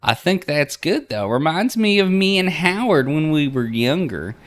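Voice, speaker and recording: A man's voice: on the high side, big pitch swings, moderate pace, fairly bright tone, pitched above the performer's own voice. Game role: nosy, chatty young mother, folksy and teasing, raised swooping voice, performed by a man. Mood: knowing, teasing. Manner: folksy, over-familiar.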